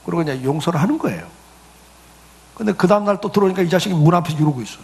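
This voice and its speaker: Gravelly-voiced male pastor preaching. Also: on the high side, expressive, rapid-fire, a little mellow. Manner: conversational preaching with acted quotes and rhetorical questions. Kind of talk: sermon.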